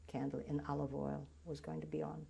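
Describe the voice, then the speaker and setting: Older woman from Greece, first language Greek, oral history interviewee; low, raspy voice, halting recollection. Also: flat delivery, mellow. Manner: reminiscing, halting with restarts.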